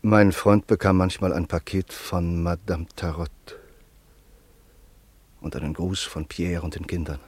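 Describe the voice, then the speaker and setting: An actor playing a sombre narrator in a radio drama, grave and deliberate as he recalls a friend's fate. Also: deep voice, little pitch movement, slightly rough.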